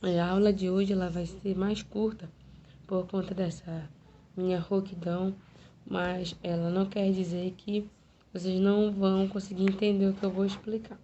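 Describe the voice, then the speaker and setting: A woman teacher with a Brazilian Portuguese accent, hoarse from a cold, giving an online math lesson in a quiet, hesitant way with many fillers. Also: mid-range voice, little pitch movement, moderate pace, slight background noise. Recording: dull lo-fi home video recording.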